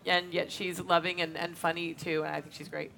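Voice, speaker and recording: A woman, a filmmaker on a panel, answering audience questions fluently and warmly, with small "uh" fillers. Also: lowish voice, flat delivery, brisk, creaky. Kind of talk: live Q&A answers.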